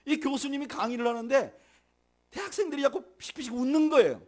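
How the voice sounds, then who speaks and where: A middle-aged man preaching a sermon as pastor, rising loud on key points and dropping soft, and leading the congregation in reading aloud. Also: very high-pitched, quick pace.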